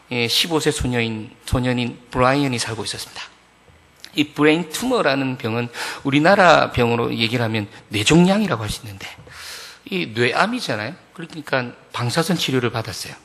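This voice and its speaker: A middle-aged male pastor delivering a sermon in an animated, storytelling way, speaking directly to his congregation. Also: medium pitch. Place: church sanctuary. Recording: echoey church hall.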